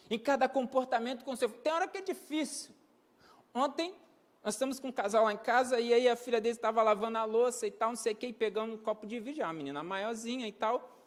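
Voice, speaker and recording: A man preaching an emphatic sermon on parenting, repeating key phrases and acting out everyday dialogue. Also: extremely high pitch. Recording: long hall reverb.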